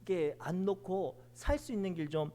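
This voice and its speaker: A man's voice: high-pitched, expressive, moderate pace, dark tone. A man voicing a desperate, pleading man hanging from a cliff branch in a sermon joke. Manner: begging, urgent.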